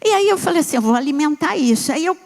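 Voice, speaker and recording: Woman preacher from Brazil, high voice, prayerful and conversational sermon. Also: animated, quick pace. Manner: prayerful declarations, then chatty storytelling. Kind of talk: sermon with personal story.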